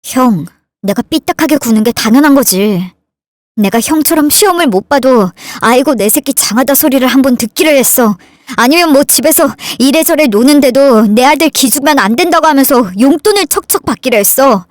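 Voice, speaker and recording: A woman's voice: high voice, expressive, a little fast, no room sound. Woman reading as resentful younger son, accusing, bitter edge, close dry mic. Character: resentful younger son, grown man, fed up. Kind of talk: dramatized story reading.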